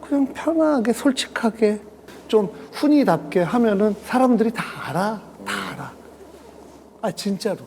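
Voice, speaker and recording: Teasing, animated male host. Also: high voice, big-room sound, a little hiss or hum. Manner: teasing, then slow earnest advice. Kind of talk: casual chat over drinks.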